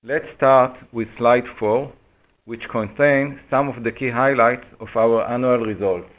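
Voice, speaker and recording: A man's voice: medium pitch, fairly even intonation, unhurried. Man on a tinny phone line. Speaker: finance executive presenting results. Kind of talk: scripted financial presentation. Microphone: conference call phone line.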